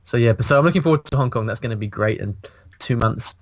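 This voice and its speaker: A man in his thirties, a guest on a video call, talking in a casual, animated way and restarting his sentences as he thinks aloud. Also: mid-range voice, fast, no echo. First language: English. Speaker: guest, language blogger. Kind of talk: casual interview. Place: small room indoors. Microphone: video call, earphones, mic in front.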